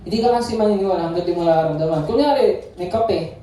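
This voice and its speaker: A woman's voice: on the low side, fast, warm tone, slight background noise. A Filipino woman giving a casual, playful youth sermon, mixing in English, recorded from a distance in a church hall. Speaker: youth speaker. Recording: echoey hall, distant mic.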